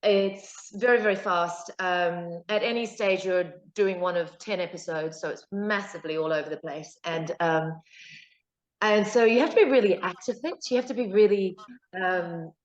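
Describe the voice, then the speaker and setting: A woman's voice: lowish voice, moderate pace. A woman with a New Zealand accent, a guest actor chatting casually in an interview, full of fillers and side stories. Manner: chatty, anecdotal, frequent fillers. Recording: echoey, dull lo-fi call audio.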